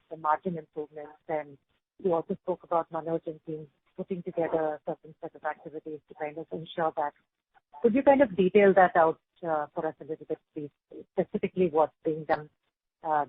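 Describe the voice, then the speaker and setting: A financial analyst politely putting a formal, measured question to management on a conference call. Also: medium pitch, dry recording. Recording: dry narrowband phone line.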